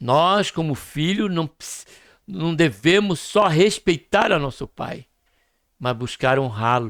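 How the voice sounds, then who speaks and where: In a very clean recording with a silent background, a man speaks very slowly, his fairly high voice carrying lively intonation. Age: 60s. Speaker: Bible teacher. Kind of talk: sermon-style Bible lesson.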